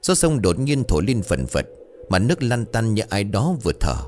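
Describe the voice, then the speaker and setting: A man's voice: fairly low pitch, sing-song, normal speed, a little mellow. A man narrating a horror story in a dramatic, suspenseful way.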